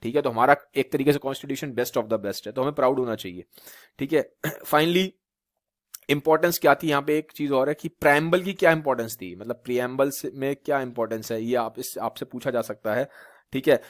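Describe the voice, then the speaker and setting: A man's voice: mid-range voice, brisk, dry recording, clean studio sound. A male teacher from Uttar Pradesh lecturing students, mixing English terms into his talk and often asking rhetorical questions and checking that they follow. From Uttar Pradesh, India. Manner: repetitive rhetorical questions, frequent "theek hai" checks. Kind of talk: classroom lecture in Hindi mixed with English.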